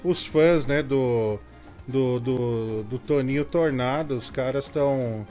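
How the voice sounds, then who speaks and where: A man hosting a call-in show, calmly teasing and settling down angry listeners. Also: medium pitch, slow, faint music behind. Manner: calming, teasing, chatty. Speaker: radio show host. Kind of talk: casual studio call-in talk.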